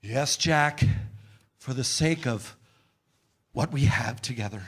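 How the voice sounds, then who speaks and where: A man's voice: mid-range voice, slow pace, fairly bright tone, slightly rough. A man playing a goofy, dim, eager sidekick in a staged comedy reading, earnest and given to stammering and bellowing. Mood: sheepish, earnest. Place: live staged reading in a church.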